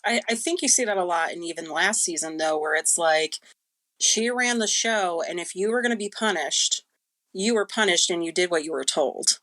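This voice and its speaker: A woman's voice: on the low side, moderate pace, fairly bright tone. A woman chatting casually as a guest on a creative podcast. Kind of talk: casual discussion.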